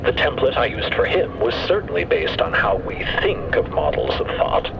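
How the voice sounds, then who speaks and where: A man playing a thoughtful scientist whose mind lives in a mechanical body, speaking deliberately and analytically in an audio drama. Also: fairly low pitch, huge pitch swings, gravelly, full character voice. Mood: musing. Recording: dull band-limited sound with background noise.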